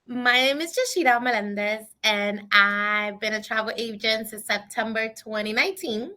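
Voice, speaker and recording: A woman from Puerto Rico, raised in the Bronx, co-hosting a casual chat, excitable and quick to laugh. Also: a little high. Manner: giggly, excitable. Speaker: co-host, travel agent.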